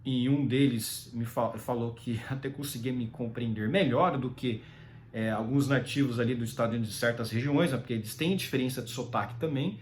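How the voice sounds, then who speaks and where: A man's voice: medium pitch, brisk, a little hiss or hum. A Brazilian man giving rambling, casual solo commentary, full of fillers and tag questions.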